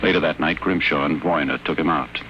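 An actor playing a wry, wary sanitarium patient with a dry, articulate delivery in a 1950s radio drama. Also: male voice, extremely low pitch, steady tone, a little fast, sharp tone, rough recording. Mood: grave, confiding. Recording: old 1950 radio broadcast, faint noise.

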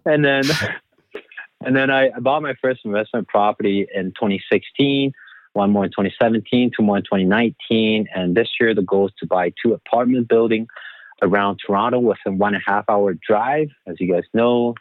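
A man's voice: lowish voice, fairly quick, no echo. A man from Taiwan answering interview questions conversationally as a guest and financial coach. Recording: thin phone-like band-limited line.

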